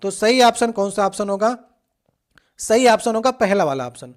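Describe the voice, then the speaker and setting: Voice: mid-range voice, animated, moderate pace. A teacher explaining past exam questions step by step, repeating key points and checking in often with the listener. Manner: patient, repetitive explaining with frequent check-ins. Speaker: exam coach. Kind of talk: exam-prep lesson walking through past questions.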